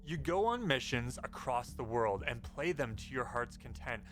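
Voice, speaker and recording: A man's voice: mid-range voice, lively intonation, moderate pace, a bit bright. A man hosting an informal video commentary on game news, speaking as a narrator over his footage. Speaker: gaming news YouTuber, host. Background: background music.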